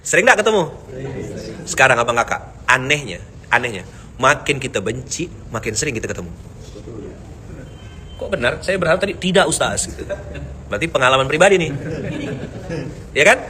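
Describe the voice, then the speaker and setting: A man preaching a lively sermon with jokes, swinging between loud emphasis and soft asides and chanting verses. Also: mid-range voice, normal speed, long pauses. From Pontianak, Indonesia. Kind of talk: lively mosque sermon with jokes and audience banter.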